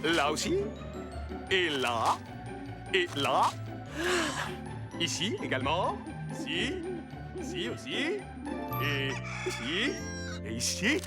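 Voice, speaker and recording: An actor playing a smug, sarcastic cartoon reality-TV host with theatrical, mock-flattering delivery. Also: male voice, on the high side, takes it slowly, long pauses, loud music behind the voice, heavily acted. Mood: brisk, pushy. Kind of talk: French cartoon dub acting.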